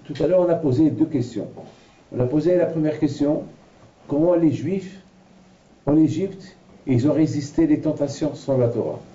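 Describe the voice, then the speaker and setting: A man's voice: on the high side, moderate pace. A man from Morocco, a rabbi giving a Torah lesson and telling personal stories, acting out the voices in them. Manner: animated storyteller, acting out voices in his anecdotes. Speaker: rabbi teaching a class. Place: large room at an evening lecture. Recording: dull, lo-fi, from a distance in an echoey room.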